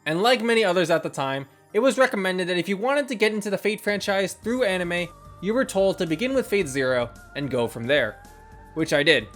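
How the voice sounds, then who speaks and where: A video host narrating a scripted review in a measured, first-person commentary style. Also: mid-range voice, expressive, fairly bright tone. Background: background music.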